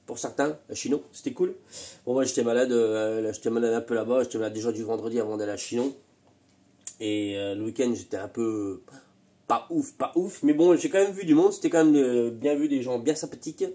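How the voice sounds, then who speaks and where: A moped engine tuner hosts his casual workshop vlog while still a bit stuffed up from a slight cold. He rambles, hesitating and repeating words, in a mellow, medium-pitched voice that moves a little fast.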